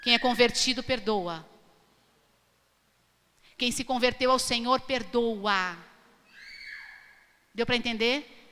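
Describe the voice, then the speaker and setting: A woman's voice: fairly high pitch, slow pace, long pauses, sharp tone, clear, resonant tone. A Brazilian woman pastor delivering an emphatic sermon, questioning her congregation. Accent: Brazilian Portuguese. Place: church hall. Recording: long hall reverb.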